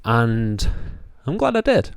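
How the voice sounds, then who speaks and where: A young man from England with a Stoke-on-Trent accent hosts his channel's solo wrestling review, talking enthusiastically and doubling words for emphasis. His gravelly, medium-pitched voice swoops wildly in pitch, he speaks slowly, and the recording is very noisy.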